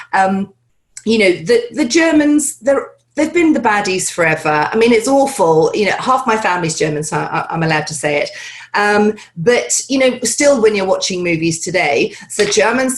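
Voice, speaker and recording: A woman with a standard British accent talks as an acting coach, chatty and loose, with plenty of "you know" fillers. Her pitch sits in the middle range, and her delivery is conversational rather than scripted. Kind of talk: conversational podcast explanation.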